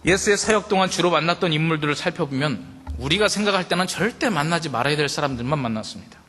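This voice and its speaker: A man's voice: fairly high pitch, expressive, quick pace, a bit bright, big-room sound. A male pastor giving a sermon in a conversational way, speaking directly to his congregation and asking them rhetorical questions.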